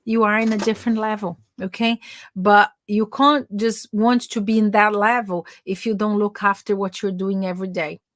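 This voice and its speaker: A woman's voice: medium pitch, fairly even intonation, measured pace, no echo, studio quality. Chatty Brazilian woman teaching English. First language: Portuguese. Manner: switches between Portuguese and English, chatty asides. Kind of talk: live online class.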